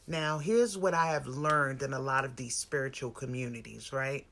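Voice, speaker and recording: A woman in her 40s with an American accent and a bass voice hosts a casual, motivational spiritual lifestyle live stream. She speaks at a moderate pace with a fairly bright tone, conversational and emphatic, often repeating phrases for stress.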